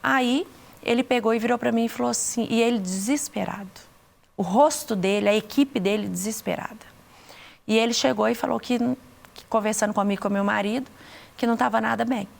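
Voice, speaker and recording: A middle-aged Brazilian woman recounts her story with a gravelly, fry-edged voice set a little high. She speaks earnestly and haltingly, restarting and repeating words as she testifies to her faith in an interview. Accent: Brazilian Portuguese. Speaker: interview guest giving testimony.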